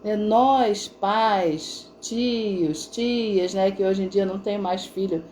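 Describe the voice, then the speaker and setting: A middle-aged integrative therapist speaks slowly in a mellow, warm, middle-pitched voice, with a little hiss or hum. On a live stream, she chats casually with viewers, telling stories and checking in with frequent tag questions.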